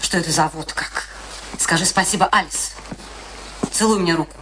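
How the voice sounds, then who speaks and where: An actress playing a bitter, gloating, domineering wife with theatrical, biting delivery in a radio play. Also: female voice, lowish voice, normal speed, noisy background, close to an everyday voice. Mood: gloating triumph.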